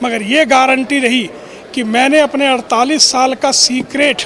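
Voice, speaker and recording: A man speaks at an extremely high pitch with ordinary pitch variation. Noticeable background noise is present. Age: 60s. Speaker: author and school founder. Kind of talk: interview. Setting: book launch event.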